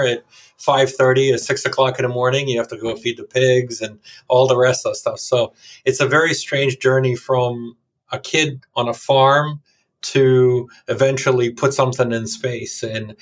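A middle-aged man from Serbia, a company founder, telling his life story casually in an interview. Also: mid-range voice.

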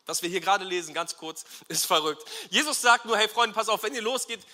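Guy preaching in a church hall, high voice, big reverb, acts out little quotes. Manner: lively, asks the audience to repeat words; acts out Jesus and bystanders in quick quoted asides. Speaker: pastor. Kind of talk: sermon.

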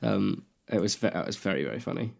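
A man's voice: on the low side, animated, fast talker, gravelly, darkish tone. A young man, co-hosting a podcast in chatty, enthusiastic talk. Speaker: podcast co-host. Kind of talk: casual podcast chat.

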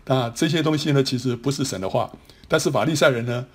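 A man's voice: mid-range voice, fast talker, slightly rough. A man teaching a Bible class, explaining step by step with many trailing particles and small restarts. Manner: explanatory, frequent sentence-final particles and restarts.

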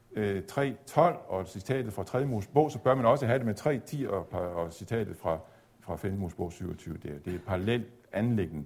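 A man giving a measured, explanatory theology lecture, at times pausing on fillers. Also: on the low side, a little mellow, slightly rough. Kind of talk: spoken lecture on Luther's reading of Galatians.

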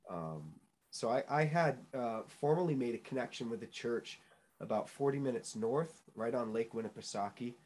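A man's voice: mid-range voice, animated, normal speed, darkish tone. A young man from New England, a Christian musician telling his story as a podcast guest, earnest and full of fillers and restarts. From New England, United States. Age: young adult. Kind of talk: casual interview chat.

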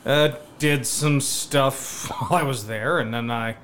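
A man's voice: mid-range voice, steady tone, a little slow, fairly bright tone, a little hiss or hum. A man in his thirties from the Chicago area with an American accent, chatting casually in a wry, self-deprecating, rambling way as a podcast guest. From suburban Chicago, United States. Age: 30s. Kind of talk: casual, joking chat.

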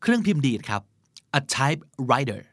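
A man hosting a vocabulary lesson podcast, asking quiz questions in a chatty way and repeating each English word slowly and clearly. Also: mid-range voice, very animated, fairly bright tone, no room sound, studio quality. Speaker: host.

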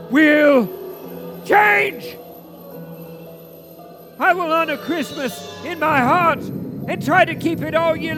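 A desperate old miser in a stage radio play. The voice is very high and slow, declaiming every plea with deliberate weight, with music clearly behind it. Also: male voice, full character voice. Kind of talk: theatrical radio play acting. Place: theatre stage, live before an audience. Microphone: shared stage microphone.

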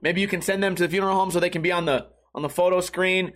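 Hoarse high-voiced man rambling on a stream. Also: steady tone, fast, fairly bright tone. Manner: loose, rambling and profane. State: hoarse, losing his voice. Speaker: podcast and stream host. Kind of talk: casual livestream chat.

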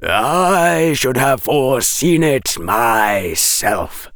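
A man voicing a stern, precise male wizard professor who speaks crisply and with disapproval. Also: medium pitch, expressive, very slow, fairly bright tone, dry recording, clean studio sound, voice pushed up, full character voice. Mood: crisp lecturing.

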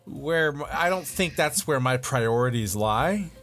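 A man's voice: mid-range voice, animated, a little slow, music in the background. A man co-hosting a comedy podcast, trading dry, sarcastic comebacks in casual banter. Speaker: podcast co-host.

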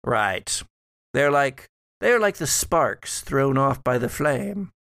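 A man performs a scheming, scholarly old patriarch speaking from beyond death in a horror roleplay. The voice is smooth but creaky, captured dry and close. The phrasing is formal and deliberate, with halting pauses as he reasons. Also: mid-range voice, big pitch swings, a bit bright, no room sound, full character voice. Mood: pondering, scheming. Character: dead old male ancestor, scholarly, wry, scheming. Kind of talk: improvised tabletop horror roleplay.

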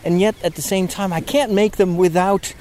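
Hoarse-throated man thinking aloud, halting. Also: high voice, steady tone, darkish tone, slight background noise. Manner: halting, many restarts and fillers, frustrated. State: sore throat. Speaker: podcast host. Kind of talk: casual spoken reflection, walking outdoors. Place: outdoors in a park near road works.

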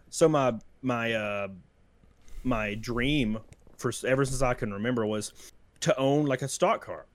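A young man with a Southern US accent, chatting casually on a podcast, laid-back and self-mocking. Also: medium pitch. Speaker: YouTuber podcast guest.

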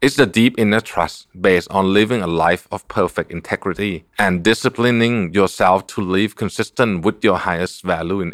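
A man's voice: fairly low pitch, fairly bright tone, no echo, studio quality. A man hosting a self-help podcast, talking casually and explaining his points with everyday examples, adding frequent polite particles. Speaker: podcast host.

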